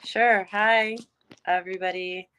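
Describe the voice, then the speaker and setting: A woman's voice: medium pitch, fairly even intonation, a little slow, fairly bright tone, clean tone. A woman from Miami introducing herself briefly and in a friendly way on a group video call. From Miami, Florida. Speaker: call participant.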